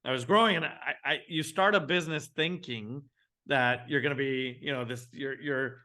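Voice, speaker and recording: Bright-voiced man in his forties. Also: mid-range voice, moderate pace. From Venezuela. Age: 40s. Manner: animated, frequent restarts, acts out his own thoughts. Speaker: guest entrepreneur. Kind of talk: casual interview storytelling.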